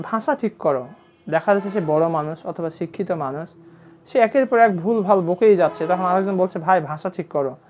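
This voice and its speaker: A woman teaches a spoken English lesson with a lowish voice, saying each English phrase slowly and deliberately so learners can repeat it. The recording sounds dull and lo-fi. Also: a little mellow.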